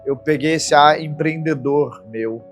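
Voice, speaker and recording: A man from Rio de Janeiro, a business partner calmly reflecting on his path into entrepreneurship. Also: on the high side, measured pace, soft background music. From Brazil, Rio de Janeiro. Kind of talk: documentary-style personal storytelling.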